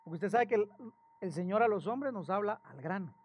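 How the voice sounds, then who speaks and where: A male pastor, preaching a sermon in a lively storytelling way and asking the congregation questions. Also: high voice, brisk, slightly rough. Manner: animated storytelling with acted quotes and questions to the congregation.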